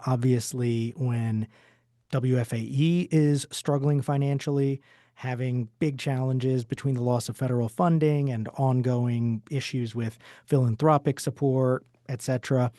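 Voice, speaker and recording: Mellow, dry-sounding male interviewer. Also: medium pitch, steady tone, a little slow, no echo. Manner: wordy questions with restarts and self-corrections. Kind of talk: interview questions.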